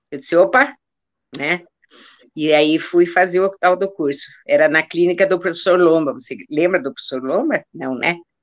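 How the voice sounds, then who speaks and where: Over a quiet background, the speaker talks at a moderate pace with lively intonation and long, frequent pauses. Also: woman, fairly low pitch for a woman. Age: 60s. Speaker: psychotherapist. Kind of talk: interview.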